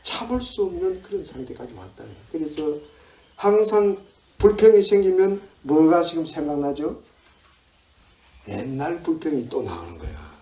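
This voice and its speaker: A male pastor giving an animated sermon at a church retreat, full of rhetorical questions. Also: a little high, moderate pace. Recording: echoey hall with faint noise.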